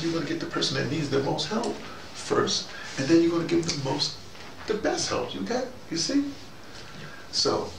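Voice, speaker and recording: A man in his fifties giving a rambling spoken talk to a small group, jumping between ideas and leaping up in pitch for emphasis. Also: creaky. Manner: digressive, with sudden rising emphasis. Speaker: commentator speaking to a small audience. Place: small room indoors. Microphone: far camera mic. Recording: roomy, distant, noisy.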